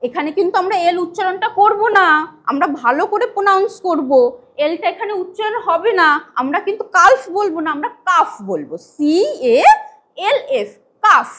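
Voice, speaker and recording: A high-voiced woman teaches a demo lesson for small children, her sing-song voice swooping up and down in a coaxing way. Brisk and a bit bright, she spells English words out letter by letter.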